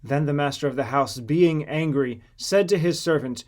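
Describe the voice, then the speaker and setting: A man narrating scripture as an audiobook, with a solemn, deliberate, scripted delivery. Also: on the high side, darkish tone.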